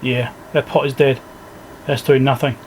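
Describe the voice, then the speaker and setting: A man with a medium-pitched voice talks through hands-on repair work in a casual, low-key way. He thinks aloud one step at a time, as the host of an electronics repair video. There is noticeable background noise and workshop ambience behind him. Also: level tone, normal speed, a little mellow. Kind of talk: casual hands-on commentary while working. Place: indoor repair workbench.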